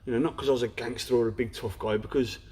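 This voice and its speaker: Fast-talking Black Country man. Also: mid-range voice, steady tone, dark tone, breathy edge. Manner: frank, storytelling, peppered with "you know". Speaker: interview guest. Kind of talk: candid personal story in a podcast interview.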